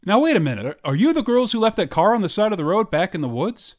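Lady doing gruff folksy sheriff for a radio play, bossy, voice goes up and down a lot. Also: medium pitch, sing-song, fast talker, a little mellow. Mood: questioning. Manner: folksy, brusque, commanding. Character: gruff, take-charge county sheriff. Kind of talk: old-time radio drama acting.

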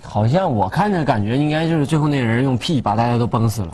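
A man's voice: mid-range voice, fast, close to an everyday voice. An actor playing a dim-witted, joking young man in a sitcom. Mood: deadpan. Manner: deadpan joking, folksy. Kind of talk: sitcom acting. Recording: sitcom with clear background noise.

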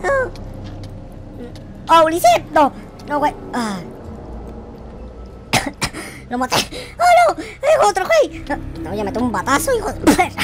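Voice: wildly swooping pitch, measured pace, long pauses, full character voice. A performer voicing a naive, easily panicked young boy in a video game roleplay, whining and exclaiming. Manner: high-pitched, whiny, exclaiming, gasping.

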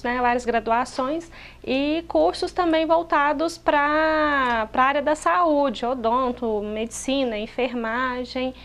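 A woman in her forties, a sign language interpreter, speaking steadily and explaining on a TV talk show, recorded in a studio on a lapel mic. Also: on the high side. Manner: steady, explanatory, with frequent restarts. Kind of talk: TV talk show guest, voicing a deaf guest's answers.

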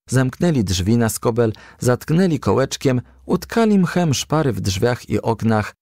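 A man narrates a children's storybook in a low, gravelly voice. The recording is dry and close, with no room around the scripted reading. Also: a little mellow, no room sound. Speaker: audiobook reader.

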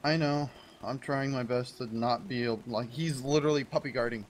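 A man's voice: mid-range voice, steady tone, normal speed, a little hiss or hum. A young man chatting with his teammate as they play a survival game, goofy and easygoing. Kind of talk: casual multiplayer game chat. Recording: faint background music.

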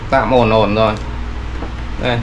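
A man's voice: on the low side, unhurried, highs cut off. Vietnamese man explaining a DIY build. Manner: relaxed explaining with fillers. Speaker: DIY vlogger. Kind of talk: casual how-to explanation. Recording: noticeable background noise.

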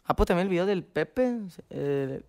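A man's voice: high-pitched, expressive, normal speed, a little mellow, clear, resonant tone. Slangy young man. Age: 20s. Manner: slangy, laid-back, laughs often. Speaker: band member guest. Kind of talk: casual chat.

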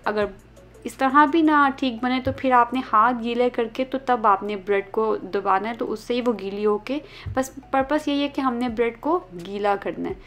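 A chatty woman narrates a cooking tutorial, explaining each step and answering viewers' common complaints. Her voice sits a little high, with soft background music under it. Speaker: cooking channel host.

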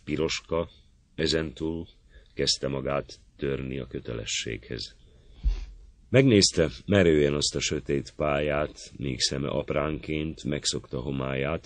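A man reading an epic poem aloud in a measured, solemn manner for an audiobook. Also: very deep voice, no echo. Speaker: audiobook reader.

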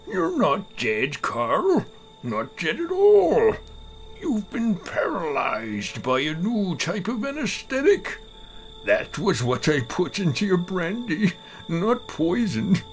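A man voicing an excitable old doctor in a horror story, theatrical and emphatic. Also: sits high, takes it slowly, faint music behind, exaggerated voice, low-quality recording. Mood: gleeful, gloating. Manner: theatrical, emphatic, pleading or gloating. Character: excitable old male doctor, gleeful prankster turning desperate. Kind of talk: dramatized horror story reading.

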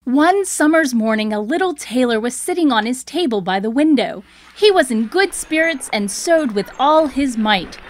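A woman host reading scripted storybook narration in a clear storytelling delivery. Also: high-pitched, animated, normal speed, few pauses.

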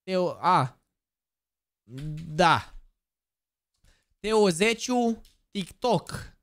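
A man in his twenties, live streaming and chatting, hyper and joking, bursting into shouted catchphrases. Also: high voice, animated, clean tone, no echo. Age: 20s. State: over-excited. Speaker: gaming streamer.

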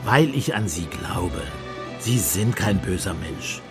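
An actor playing a shrewd, compassionate priest detective in a radio play, speaking in a measured, persuasive pastoral manner. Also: male voice, low-pitched, animated, over music. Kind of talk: German radio play acting.

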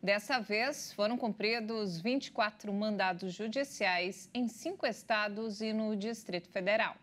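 A woman news anchor reading scripted headlines in a steady, measured way from a TV studio. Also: mid-range voice.

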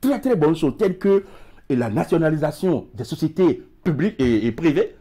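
A slightly high, mellow voice with big pitch swings comes at normal speed from a middle-aged man with a West African French accent. He is an emigration expert guesting in a TV studio interview on a lapel mic, gesturing widely and stumbling over repeated words.

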